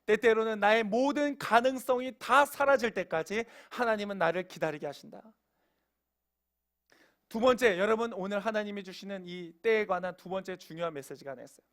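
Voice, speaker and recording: A man's voice: high-pitched, a bit bright. A man preaching a sermon as pastor. He asks the congregation questions and acts out quoted voices in everyday speech.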